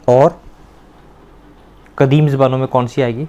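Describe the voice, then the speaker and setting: A man teaching a language lesson, explaining step by step, repeating words slowly and quizzing a student. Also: medium pitch, fairly even intonation, dark tone.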